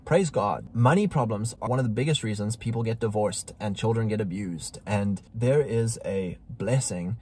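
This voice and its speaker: A man's voice: lowish voice, moderate pace, few pauses, darkish tone, a little hiss or hum. A man co-hosting a Christian family channel, talking in a casual conversation in an emphatic, preachy way that gets heated.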